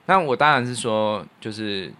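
Casting: male podcast co-host, low voice, Taiwanese Mandarin accent, earnest and reflective casual storyteller. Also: animated, moderate pace, pushed and bright. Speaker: podcast co-host and radio professional.

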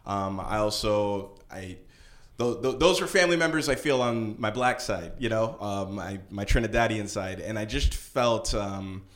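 A man's voice: lowish voice, normal speed. Hesitant man in an echoey room. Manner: hesitant, searching, many ums and restarts. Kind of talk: casual podcast talk.

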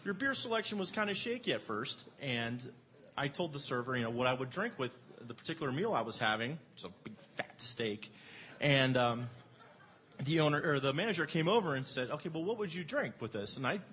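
A man's voice: mid-range voice, lively intonation, fairly quick, a bit bright. A man from Erie, co-hosting a beer show in casual chat, enthusiastic and jokey, poking fun at himself. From Erie, Pennsylvania. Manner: enthusiastic, jokey, self-deprecating.

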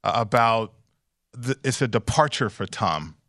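A man's voice: medium pitch, lively intonation, measured pace, fairly bright tone, no echo, clean studio sound. A man in his fifties hosting a sports podcast, talking in a rambling, wry way. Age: 50s. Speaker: podcast host. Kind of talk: casual podcast chat.

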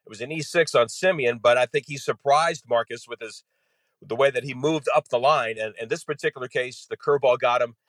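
A man's voice: mid-range voice, a little fast, fairly bright tone, dry recording. Man recounting a baseball game in detail. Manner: detailed storytelling, frequent "you know". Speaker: radio play-by-play announcer, guest. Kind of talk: conversational game analysis.

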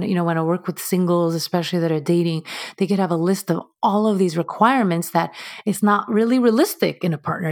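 A woman in her thirties, a relationship coach, giving thoughtful, measured explanations as an interview guest. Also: on the low side. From United States.

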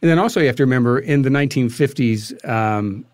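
A man's voice: medium pitch, fast, darkish tone, no echo. An American man talking thoughtfully in an interview, explaining his ideas at length. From United States. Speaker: filmmaker, podcast guest.

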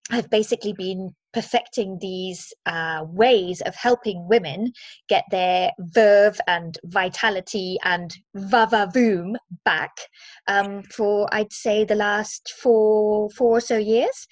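A woman's voice: medium pitch, steady tone, slow pace, no echo. A woman in her forties from Zimbabwe, a movement and mindset coach, talking as a guest in an upbeat, chatty way with lots of fillers. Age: 40s. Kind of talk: casual interview chat.

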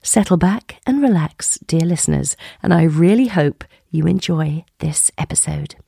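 Woman podcast host, croaky and husky, very gravelly, dry close sound. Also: deep voice, lively intonation, moderate pace, dark tone, no echo. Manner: chatty, laughs at her own slips. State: croaky from illness. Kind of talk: podcast intro and interview.

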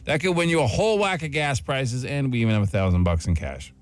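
A man's voice: medium pitch, expressive, fast, smooth. A man chatting casually as a radio show co-host. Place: radio studio. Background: music bed.

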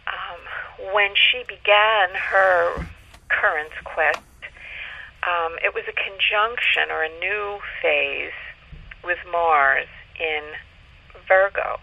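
A man speaking as an interview guest, explaining in a halting way, thinking aloud with pauses. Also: high voice, creaky, pushed and bright. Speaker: guest astrologer. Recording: muffled, lo-fi call audio.

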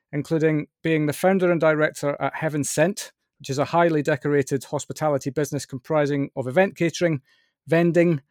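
A man from Scotland with a softened Scottish accent, hosting a podcast in a bright, chatty, self-deprecating way. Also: fairly high pitch, dry recording, clean studio sound. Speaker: podcast host. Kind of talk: upbeat podcast chat.

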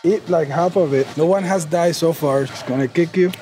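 Male farmer from Puerto Rico, somewhat high and mellow, playful, soft music behind. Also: moderate pace, slight background noise. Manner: playful, enthusiastic. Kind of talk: interview. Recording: faint music underneath.

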